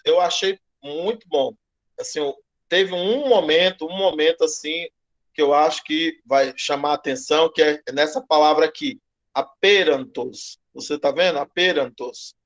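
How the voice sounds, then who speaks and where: A man teaching a class online, giving feedback with many restarts and slowing down to model pronunciation. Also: on the high side. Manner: hesitant, repeats words, slows to model pronunciation. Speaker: Greek teacher.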